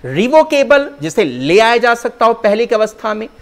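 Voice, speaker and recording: A man's voice: very high-pitched, sing-song, normal speed. A male teacher explaining English vocabulary and spelling in Hindi, calling his students "children" and spelling words out letter by letter.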